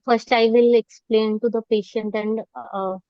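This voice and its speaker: A woman with a South Asian accent giving halting, deferential answers as a trainee in an oral exam on a webinar call. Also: a little high, flat delivery, no echo. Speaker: medical trainee being examined. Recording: dull, muffled dry online audio.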